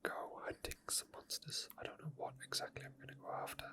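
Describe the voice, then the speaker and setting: A person whispering quiet, unscripted ASMR gameplay commentary in a breathy voice, unhurried and rambling, close to the microphone. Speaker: video game streamer making ASMR. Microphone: microphone tucked under a hoodie, close to the mouth.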